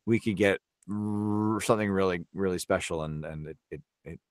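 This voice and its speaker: A man talking casually as a guest on a podcast, halting and restarting as he tells an anecdote. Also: low voice, no echo, studio quality. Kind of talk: casual conversation.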